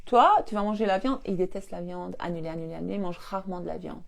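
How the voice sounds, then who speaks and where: A woman coach telling a family story casually to her viewers on a live stream. She is animated, laughs often and acts out the dialogue. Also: on the low side, fast talker, creaky.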